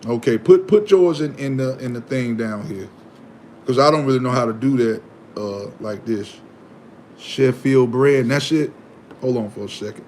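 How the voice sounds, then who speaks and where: A man hosting a live stream, chatting casually and preaching, animated and given to repeating himself. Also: medium pitch, a little slow, a little hiss or hum. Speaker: livestream host.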